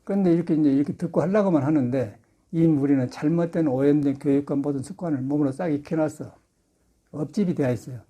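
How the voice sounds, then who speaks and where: With a dark, slightly high voice and a quick delivery, an older Buddhist monk shares anecdotes in a chatty Sunday sermon at a temple dharma hall, laughing often.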